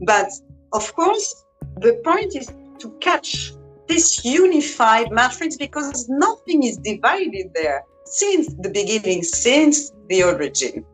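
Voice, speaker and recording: A woman's voice: on the high side, big pitch swings, slow, faint music behind, rough recording. A woman with a French accent, a holistic practitioner explaining spiritual ideas earnestly in English while searching for words. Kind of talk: spiritual teaching conversation.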